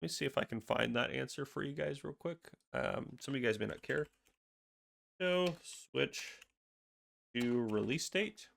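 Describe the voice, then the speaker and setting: Male gaming host, raspy with a cold, gravelly and bright, rambling casual commentary. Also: medium pitch, a little slow. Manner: rambling, filler-heavy, thinking aloud. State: fighting a cold. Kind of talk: casual commentary over screenshots.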